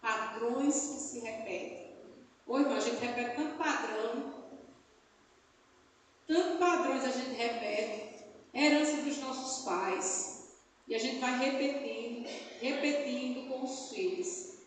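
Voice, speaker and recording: A Brazilian woman delivers a fervent sermon with a high voice. She keeps checking in with the congregation through little tag questions and bursts of praise. Her voice reaches the mic from a distance, filling a big echoing church hall with a long reverb tail. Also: slow pace, long pauses, slight background noise. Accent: Brazilian Portuguese. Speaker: missionary preacher. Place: church hall during a family service.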